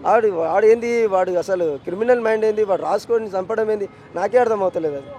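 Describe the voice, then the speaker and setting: A grieving father with a Telangana accent, giving an impassioned, halting street interview and repeating himself. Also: high-pitched, dark tone, soft background music. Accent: Telangana Telugu.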